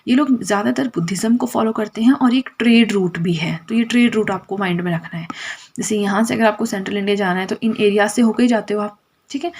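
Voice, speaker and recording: A woman's voice: on the high side, vocal fry, a little mellow, husky. A woman teacher explaining a school textbook chapter, mixing English terms into Hindi and checking in with "theek hai" after most points.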